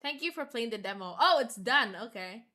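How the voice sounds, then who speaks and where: A woman's voice: on the high side, expressive, fairly quick, bright, forceful tone. A woman game streamer reading visual novel narration aloud and commenting casually. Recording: music behind the voice. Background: game music.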